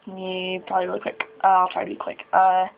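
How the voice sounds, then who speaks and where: A 21-year-old trans man talks haltingly in a confessional vlog, his nerves showing in sighs and small laughs. His voice has a gravelly fry. The recording sounds thin and phone-like. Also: high-pitched, completely flat delivery. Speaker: vlogger.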